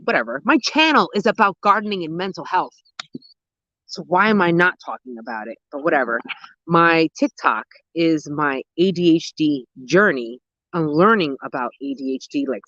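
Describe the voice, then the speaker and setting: A woman's voice: on the low side, fairly bright tone, no echo, muffled recording. A woman of about forty chatting casually and expressively on a gardening livestream, slangy, thinking aloud and easily sidetracked as she answers comments. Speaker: host of a gardening and mental health livestream. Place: outdoors in a garden.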